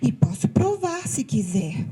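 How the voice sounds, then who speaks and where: A woman from voicing a sweet, humble female cicada who pleads in a soft, gentle way. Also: fairly high pitch, very animated, unhurried, breathy edge, full character voice. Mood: pleading.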